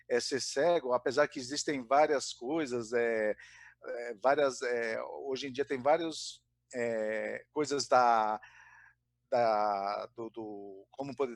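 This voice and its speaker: A man's voice: medium pitch, no room sound. Hesitant man giving a spiritist talk. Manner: hesitant, many fillers and restarts. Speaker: spiritist study speaker. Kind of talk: informal religious talk. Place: Brazil.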